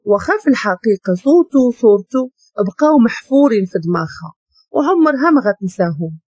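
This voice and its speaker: A woman with a Moroccan accent narrating a dramatic story in an expressive reading. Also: on the high side, brisk, breathy edge, no echo. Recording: dull lo-fi dry recording.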